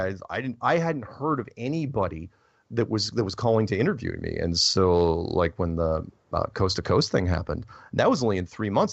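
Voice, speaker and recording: Rambling low-voiced man telling stories. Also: no echo. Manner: rambling anecdotes with animated quoted voices. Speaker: podcast guest. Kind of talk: casual conversation. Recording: dull dry recording.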